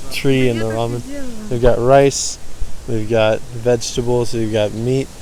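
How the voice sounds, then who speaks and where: Noticeable background noise surrounds a man who talks with an American accent. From United States. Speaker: travel vlogger. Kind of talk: vlog narration. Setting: outdoors at a country house. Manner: casual, with fillers.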